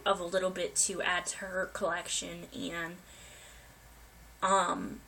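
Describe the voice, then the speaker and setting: Bright-voiced young woman with a cold. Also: lowish voice, poor audio. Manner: rambling, many ums and restarts. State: getting over a cold, coughing. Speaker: vlogger. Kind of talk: casual life update to viewers.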